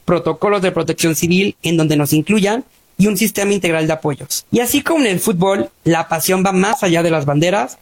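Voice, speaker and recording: A woman's voice: fairly low pitch, brisk. A woman with a Mexican accent delivering a scripted statement as a disability rights activist.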